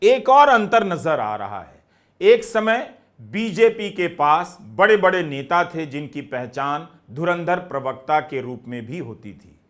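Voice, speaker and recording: A man narrates scripted news commentary in a fairly high voice that rises and falls a lot. He explains each point at a measured pace. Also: lively intonation, fairly bright tone.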